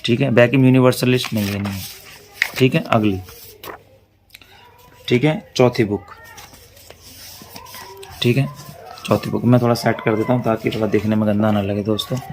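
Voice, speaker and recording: A chatty male tutor runs through exam topics in a casual lesson, reassuring and repeating himself as he goes. His voice sits at an ordinary middle pitch. Steady noise and page-shuffling sit clearly under the recording. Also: normal speed, long pauses. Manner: chatty, reassuring, repeats "theek hai" while flipping pages.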